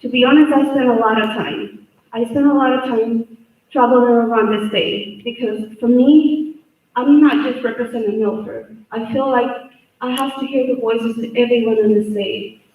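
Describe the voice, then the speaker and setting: A woman's voice: fairly high pitch, steady tone, normal speed, phone-quality sound. A middle-aged woman from El Salvador with a Salvadoran Spanish accent, Spanish her first language, giving earnest public testimony at a hearing and often repeating phrases as she goes. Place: large echoey hearing room. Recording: echoey hall, voice far from mic.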